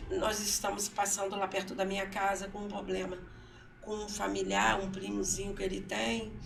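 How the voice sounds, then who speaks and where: Woman with a gravelly voice telling a story in an echoey room. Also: medium pitch, normal speed, recorded from a distance, a little hiss or hum. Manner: storytelling, acts out her son's words, often repeats herself. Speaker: guest, mother. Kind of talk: emotional personal testimony in interview. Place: council studio.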